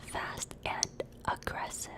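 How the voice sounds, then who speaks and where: A woman hosting casual ASMR, whispering gently to her listeners. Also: slow. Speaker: ASMR streamer and host. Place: dimly lit room indoors.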